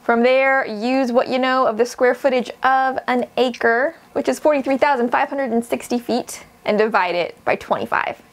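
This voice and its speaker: Young woman with a gravelly edge. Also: a little high, moderate pace, few pauses. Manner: steady, practical explaining. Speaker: shepherd teaching grazing. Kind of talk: instructional video lesson. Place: indoors in front of a wooden wall and whiteboard.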